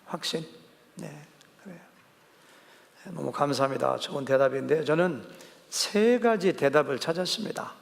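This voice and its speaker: A man's voice: fairly high pitch, normal speed, gravelly, long pauses. A male pastor preaching a sermon in a conversational way, drawing answers from the congregation and acting out quoted dialogue. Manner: conversational, asks the congregation questions; acts out quoted dialogue vividly. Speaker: senior pastor. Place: church sanctuary. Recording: church sanctuary with long reverb.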